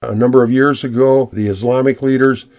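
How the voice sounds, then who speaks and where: A man's voice: mid-range voice, brisk. Guy preaching in church, earnest bible teaching, gets worked up retelling the story. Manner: earnest, builds excitement retelling the crowd. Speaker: pastor. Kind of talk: expository sermon.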